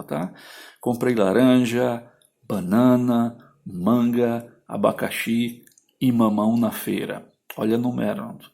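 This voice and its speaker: A man's voice: mid-range voice, creaky, a little mellow, breathy edge. A man teaching a grammar lesson, explaining patiently and often checking in with his listeners.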